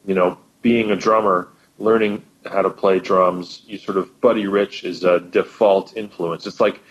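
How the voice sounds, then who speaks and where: Low-voiced guest on a dull line. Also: male voice, unhurried, a little hiss or hum. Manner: animated storytelling. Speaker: guest musician. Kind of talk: casual chat.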